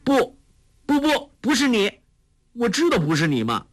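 A man voicing a spirited young woman in a storybook, pleading and coaxing her father in a falsetto. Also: animated, unhurried, bright, forceful tone, full character voice. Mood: urgent.

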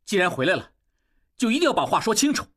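A woman voicing a determined young male heir who talks urgently and forcefully. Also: mid-range voice, big pitch swings, quick pace.

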